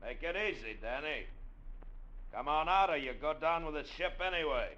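An actor playing a treacherous ship's captain in a 1940s radio drama, barking clipped orders and coaxing with menace. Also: male voice, fairly high pitch, expressive, moderate pace, pushed and bright, lo-fi sound. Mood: menacing. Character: cold, commanding ship's captain turned traitor. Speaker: skipper.

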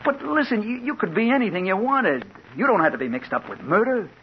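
Hard-boiled crime reporter, tense narration,, animated, old radio. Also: male voice, high voice, brisk, a little hiss or hum. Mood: urgent. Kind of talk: 1940s radio acting. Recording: dull old radio broadcast.

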